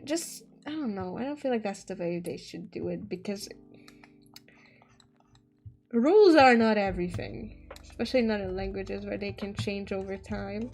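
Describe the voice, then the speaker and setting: A woman's voice: mid-range voice, vocal fry, a little mellow. A woman whose first language is Hungarian, rambling casually as she draws, trailing off mid-thought and swearing now and then. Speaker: artist streamer. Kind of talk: casual commentary while drawing.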